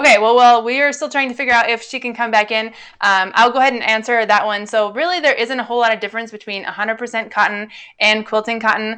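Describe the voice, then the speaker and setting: A woman talks at a very fast pace in a fairly high pitch with ordinary pitch variation. Her tone is bright and sharp against a quiet background. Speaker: online event moderator. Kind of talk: live Q&A. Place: home room. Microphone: lapel.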